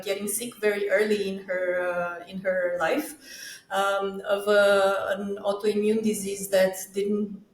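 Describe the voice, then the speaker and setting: A woman's voice: medium pitch, echoey room, rough recording. A woman from Romania, a summit co-founder, talks casually in an interview and often hesitates with fillers and restarts.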